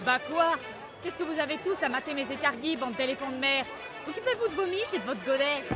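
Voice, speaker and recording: A woman's voice: sits high, animated, fast talker, music in the background. A woman playing a brash, tough pirate sailor in an audio drama, blunt and cocky. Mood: aggressive. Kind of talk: French audio drama acting.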